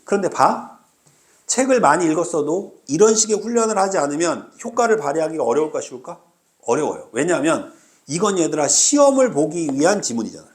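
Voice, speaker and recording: Lively high-voiced male lecturer. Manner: drills students with constant rhetorical questions. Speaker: Korean language teacher. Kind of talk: recorded exam-prep lecture.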